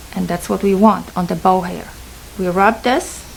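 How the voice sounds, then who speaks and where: The speaker has a Polish accent and a fairly slow pace. Background noise is noticeable. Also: woman. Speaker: orchestra violinist. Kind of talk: tutorial.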